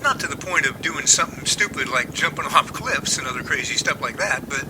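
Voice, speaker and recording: A man's voice: medium pitch, expressive, brisk, background noise, natural voice. A man in an amateur audio drama playing an easygoing, newly confident man in love, earnest and plain-spoken.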